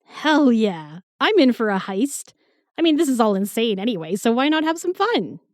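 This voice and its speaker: A woman's voice: fairly high pitch, normal speed, no room sound, clean studio sound. A woman playing an irreverent, plucky modern young woman with a casual manner in a fantasy audio drama. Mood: amused, eager. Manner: casual, flippant, excitable.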